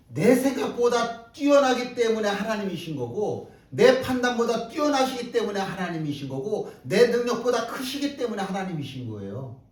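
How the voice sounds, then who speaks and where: Emphatic high-voiced male pastor, echoey church. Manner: emphatic, rhetorical questions, repeats phrases for stress. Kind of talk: sermon. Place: church sanctuary. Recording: echoey hall, mic at a distance.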